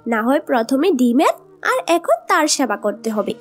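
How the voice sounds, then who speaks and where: A woman voicing a selfish, sulky mother bird in a children's cartoon, whiny and quick to snap. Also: high voice, big pitch swings, soft background music. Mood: resentful. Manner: whiny, snappish, dismissive.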